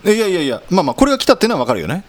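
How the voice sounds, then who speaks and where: Teasing man with a lively voice. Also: sits high, very fast. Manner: relaxed, teasing, lively banter. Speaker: podcast host. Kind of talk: casual chat. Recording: faint hiss.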